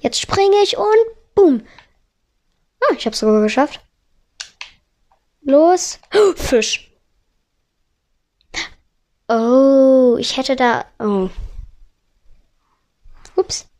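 A woman on a headset mic giving excitable let's play commentary, narrating every move and swearing when she fails. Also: sits high, very slow, long pauses. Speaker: gamer.

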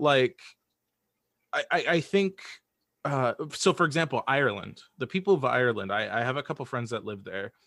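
A man's voice: medium pitch, fairly bright tone, no echo, studio quality. A man in a casual podcast chat, talking hesitantly and repeating words as he hedges his points. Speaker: podcast guest, audio drama writer.

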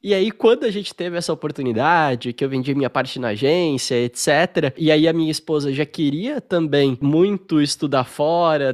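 Young Brazilian man, Brazilian Portuguese accent, raised pitch; easygoing podcast guest, filler-heavy storyteller, video-call sound. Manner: relaxed storytelling, frequent fillers. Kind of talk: casual interview chat.

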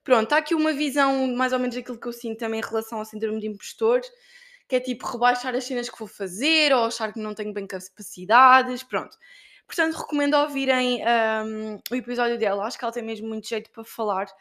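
A young woman with a European Portuguese accent chatting on her own podcast, rattling off stories from her week with plenty of fillers and asides. Her voice sits somewhat high, and she talks with an easy, lively informality. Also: quick pace. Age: young adult. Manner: chatty, animated storytelling, lots of fillers. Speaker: podcast host and student. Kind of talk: casual solo podcast chat.

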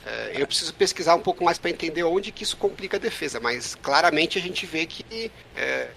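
A man's voice: on the high side, lively intonation, a little fast, gravelly, bright, forceful tone, slight background noise. A man with a Brazilian Portuguese accent giving casual analytical sports commentary, often tagging phrases for agreement. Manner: frequently adds tag questions seeking agreement. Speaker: sports podcast panelist.

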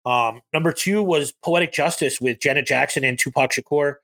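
A man's voice: a little high, moderate pace, a bit bright. A man co-hosting a podcast, chatting casually about movies and rambling with lots of ums and likes. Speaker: podcast co-host.

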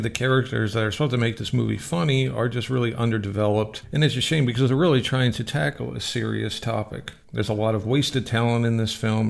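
A man's voice: fairly low pitch, vocal fry. A man hosting a radio show, giving a casual, conversational and opinionated solo film review, partly read from notes.

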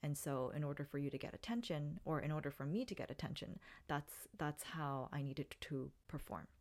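Low-pitched woman in her thirties, solo podcast host, reflective and unhurried, talks with many ums and restarts. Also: a little mellow.

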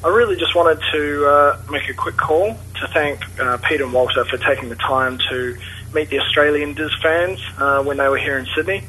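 New Zealand man on a bright phone line. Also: a little high, moderate pace. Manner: playful, hesitant with many fillers. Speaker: caller. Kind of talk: voicemail with mock interview. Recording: phone line with faint noise.

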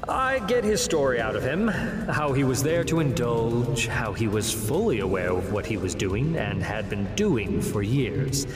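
Wry demon lawyer, swooping delivery. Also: male voice, medium pitch, very animated, unhurried. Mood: matter-of-fact, cynical. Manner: theatrical, wry storytelling. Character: smooth-talking demon defense lawyer recounting his dirty work. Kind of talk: audio drama monologue. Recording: reverberant hall, music underneath.

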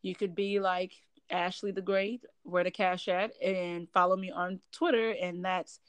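A woman's voice: fairly low pitch, level tone, unhurried, clean tone, no echo. A woman with an African American St. Louis accent co-hosting a casual podcast, blunt and slangy, swearing freely. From St. Louis, Missouri, US. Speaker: podcast co-host.

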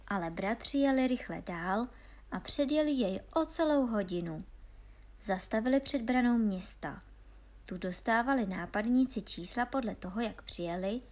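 A woman calmly reading a fairy tale aloud as storyteller. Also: on the high side.

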